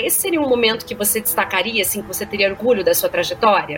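Noticeable noise runs behind a woman whose voice is pitched fairly high. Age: 20s. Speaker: radio podcast host. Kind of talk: interview. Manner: animated.

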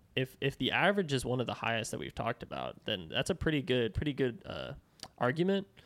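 At a very fast pace, a man with an American accent speaks at a medium pitch with very wide pitch swings and vocal fry. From Georgia, US South. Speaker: podcast co-host. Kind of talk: casual chat.

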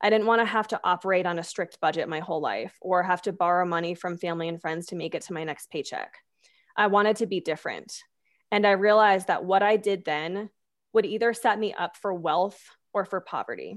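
Against a quiet background, a woman with an unremarkable speaking voice talks at a fairly quick pace, medium in pitch with fairly even intonation. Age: 20s. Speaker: author and passive income investor. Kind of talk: podcast interview.

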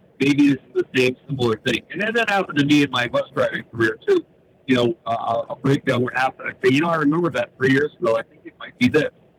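Somewhat breathy, a man talks very fast with ordinary pitch variation in a dry, close sound with no echo. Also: fairly high pitch for a man. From US Northeast. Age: 60s. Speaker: truck driver. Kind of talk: casual chat.

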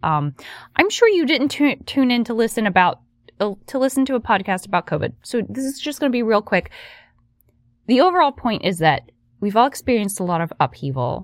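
A woman speaks at a fairly high pitch with a warm tone. Her pitch swings very widely. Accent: American. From West Virginia. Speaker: podcast host. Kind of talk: casual monologue, meandering chat. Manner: hesitant, frequent fillers; warm, chatty.

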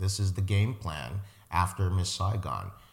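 A man speaks with a fairly low pitch. His voice is somewhat breathy, and his pace is fairly slow. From Montreal, Quebec. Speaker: singer and music producer. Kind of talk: interview.

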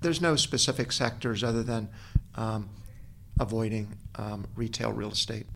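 A man's medium-pitched, plain, everyday voice at a moderate pace, with ordinary pitch variation. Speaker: business executive and sports team owner. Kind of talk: interview.

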